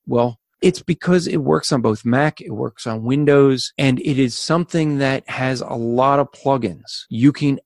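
A man co-hosting a podcast, explaining recording gear in a casual instructional way with a loud, carrying voice and energetic delivery. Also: medium pitch, no echo, studio quality. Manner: energetic, explanatory, addresses listeners as folks. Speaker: podcast co-host.

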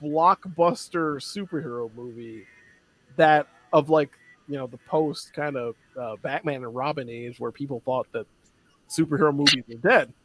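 A man co-hosting a casual film discussion, opinionated and energetic in his arguments. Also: medium pitch, normal speed. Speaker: podcast co-host.

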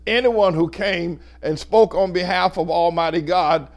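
A man's voice: high voice, steady tone, measured pace. A male pastor preaching a sermon, emphatic and building his points in repeated lists of phrases.

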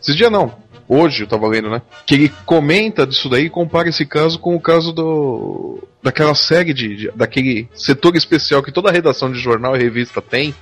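A man's voice: fairly high pitch, expressive, fairly quick, a bit bright, slightly rough, faint music behind. A man with a Brazilian accent chatting casually on a podcast, irreverent and joking, with plenty of swearing.

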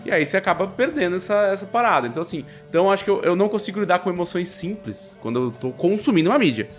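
A Brazilian man with a voice slightly on the high side gives his opinions as a podcast co-host. He speaks casually and emphatically, checking in often, over faint background music. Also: expressive, rapid-fire. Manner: emphatic, with frequent check-in tags.

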